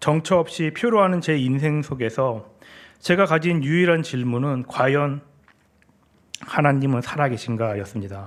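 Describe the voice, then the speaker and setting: A man's plain, everyday voice at a fairly high pitch, fairly slow in pace with lively intonation. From Seoul, South Korea. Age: 40s. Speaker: church member. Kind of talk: testimony. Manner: formal.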